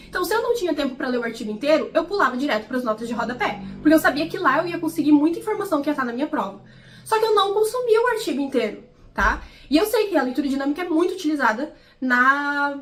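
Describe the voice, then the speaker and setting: Fast-talking high-voiced young woman. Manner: chatty, explanatory, with frequent "né" and "tá". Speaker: book vlogger. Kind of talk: casual vlog commentary.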